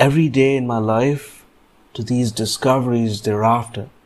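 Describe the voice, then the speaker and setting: Speaking at a fairly slow pace with fairly even intonation, a man with an Indian accent talks at a medium pitch. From India (Karnataka). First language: Kannada. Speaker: essayist. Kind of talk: reading aloud. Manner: formal.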